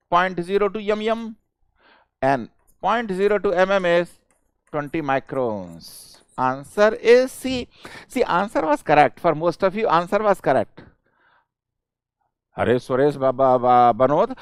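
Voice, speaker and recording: Male online lecturer, South Indian accent, high clear voice, dry sound, insistent repetition, informal classroom coaxing. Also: dry recording. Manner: repeats questions and phrases insistently; chuckling, informal, coaxing students. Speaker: teacher of an online engineering class. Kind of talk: live interactive exam-prep lecture.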